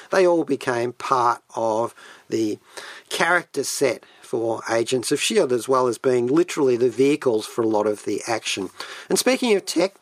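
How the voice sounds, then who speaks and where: A man hosts a solo radio show from the studio, chatting enthusiastically and geekily, rambling with frequent asides. His voice is medium-pitched and the recording is dry.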